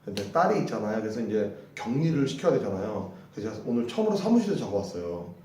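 A man's voice: lowish voice, big pitch swings, fast talker, darkish tone, recorded from a distance, a little hiss or hum. Teacher, male, leads repeat-after-me drills, recorded from afar in a reverberant hall. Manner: drills phrases, repeating them and cueing the class; chatty asides between drills. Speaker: English teacher. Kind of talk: classroom English lesson.

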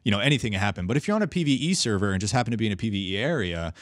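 A man co-hosting a casual gaming podcast, playful and quick to laugh, sometimes acting out voices in his stories. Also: on the low side, animated, no echo, studio quality. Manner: playful, laughs often, acts out voices in anecdotes. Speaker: podcast co-host.

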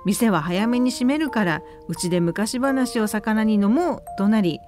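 A woman's voice: mid-range voice, measured pace, a little mellow, soft background music. A woman radio presenter reading out a listener's letter in a conversational way. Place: radio studio.

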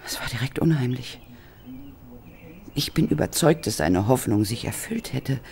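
A haunted actress, halting and dramatic. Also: female voice, rumbling low, lively intonation, creaky, a little mellow, a little hiss or hum, heavily acted. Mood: haunted, confessional. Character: embittered Hollywood actress confessing a frightening past. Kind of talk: German horror radio play acting.

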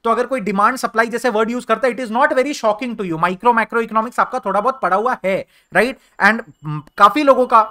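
Young Indian male tutor, casual lecture style, bright tone, code-switches constantly. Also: very high-pitched, fairly quick, few pauses. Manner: chatty, mixes Hindi and English, calls listeners brother. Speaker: teacher. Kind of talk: exam revision lecture.

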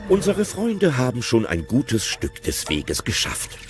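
A man narrating an audio drama in a calm, storytelling manner. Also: medium pitch, measured pace, soft background music.

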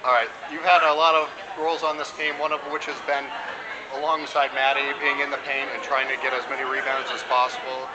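A man's voice: mid-range voice, flat delivery, fairly quick, muffled recording. A young man running a postgame interview with players in a school gym, upbeat and asking with fillers. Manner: upbeat, leading questions with fillers. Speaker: student sports broadcaster interviewing players. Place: school gym after a game. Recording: loud crowd and gym noise behind.

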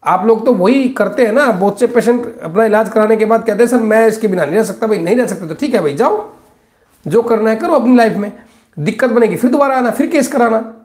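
A man in his thirties, speaking as a doctor answering viewer questions in a live stream. His voice sits high and his advice comes out blunt and scolding, and he calls his listeners brother and son. It's recorded on a phone close up in a small, echoey office. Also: a little fast, a little mellow. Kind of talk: live Q&A consultation.

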